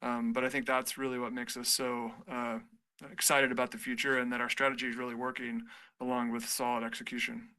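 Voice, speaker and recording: Male exec on earnings call, super bright clear voice, talking business strategy. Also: medium pitch, flat delivery, brisk. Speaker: company executive. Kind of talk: high-level business commentary on an earnings call.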